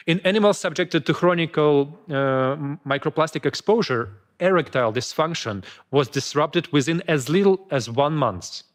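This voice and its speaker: A man giving a prepared scientific presentation at a conference, reading with frequent hesitations and restarts. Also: a little high. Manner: reads haltingly with fillers and restarts. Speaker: conference speaker.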